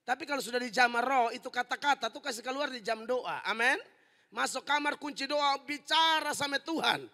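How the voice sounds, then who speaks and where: A man preaching a fiery sermon as pastor, forceful and humorous, sometimes rising to shouts. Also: very high-pitched, a little fast. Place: large indoor church hall. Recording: long hall reverb in large church.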